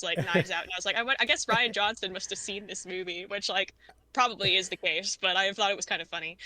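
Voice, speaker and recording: A woman chatting as a podcast guest, retelling her reactions in a lively way with many quoted asides. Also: medium pitch, no echo. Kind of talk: casual conversation about films.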